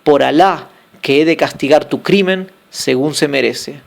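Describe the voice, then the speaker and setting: A man voicing a wealthy merchant master who scolds and curses his slave in anger, with slow, heavy stresses. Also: fairly high pitch, creaky. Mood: furious.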